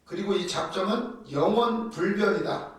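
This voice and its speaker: A man preaching a sermon, telling Bible stories in a lively way and acting out the quotes. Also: sits high, moderate pace. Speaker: pastor. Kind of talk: sermon teaching on doctrine. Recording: echoey hall from far off.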